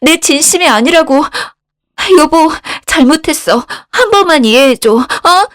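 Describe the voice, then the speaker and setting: A woman's voice: high voice, lively intonation, unhurried, voice pushed up. A woman voicing a lying young daughter-in-law who pleads and stammers. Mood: pleading.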